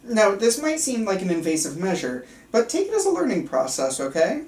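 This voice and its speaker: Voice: mid-range voice, big pitch swings, brisk, a little mellow, natural voice. A person reading the part of a chirpy, patronizing psychiatrist at a table read, with breezy, reassuring bedside talk. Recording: roomy, picked up from far off.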